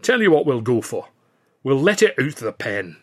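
A man's voice: medium pitch, very animated, moderate pace, slightly rough. A man voicing a cocky, bossy little Scottish film comedian in an audiobook. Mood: bossy, planning. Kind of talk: audiobook character voice.

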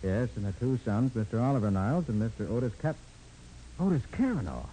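An actor playing a cool-headed, decisive private detective with a calm, authoritative manner in a 1940s radio crime drama. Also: male voice, mid-range voice, fairly quick, lightly acted, poor audio. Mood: studious. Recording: hissy old radio recording.

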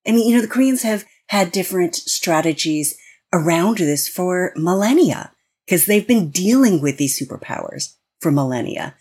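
A woman's voice: lowish voice, animated, normal speed, a little mellow, breathy edge. An American woman speaking as a guest on an interview podcast, explaining in an earnest way with frequent restarts. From United States. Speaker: guest expert.

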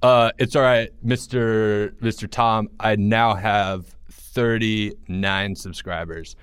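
A man's voice: lowish voice, fairly even intonation, slow pace, clear, resonant tone, no room sound, clean studio sound. A man voicing a boastful schoolboy YouTuber as a slangy, self-assured podcast character. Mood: cocky. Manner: slangy, boastful, hesitant fillers.

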